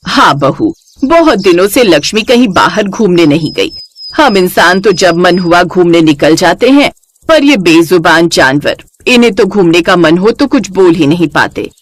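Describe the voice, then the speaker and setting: Female narrator playing a sly, coaxing cartoon mother-in-law, animated pitch. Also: normal speed, dry recording. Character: scheming greedy older mother-in-law.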